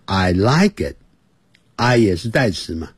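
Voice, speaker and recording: A man's voice: on the low side, big pitch swings, slow, husky, dry recording, studio quality. A middle-aged man teaching a radio English lesson, patiently repeating words over and over to drill pronunciation.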